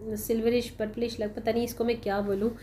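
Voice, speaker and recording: A woman doing a casual, chatty voice-over for a shopping vlog, unhurried and full of "uh" fillers. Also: fairly high pitch, little pitch movement, mellow, slight background noise. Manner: chatty, unhurried, frequent "uh" fillers, addresses viewers as "janab" and "bhai". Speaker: shopping vlogger. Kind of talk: casual voice-over of a sale haul.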